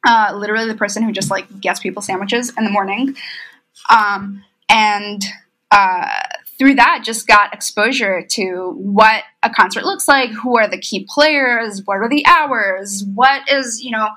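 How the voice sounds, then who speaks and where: A woman's voice: mid-range voice, measured pace, low-quality recording. A woman in her thirties from Romania, a tour manager, telling stories as an interview guest. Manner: storytelling, quotes others with lively asides. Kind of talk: casual interview chat. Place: remote call from home.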